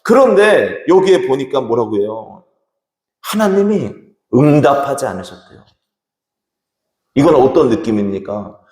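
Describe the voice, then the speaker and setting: A male pastor preaching a sermon with emphatic delivery, swinging from loud declarations to hushed words. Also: medium pitch, big pitch swings, a little slow, long pauses. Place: church sanctuary. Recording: reverberant church hall.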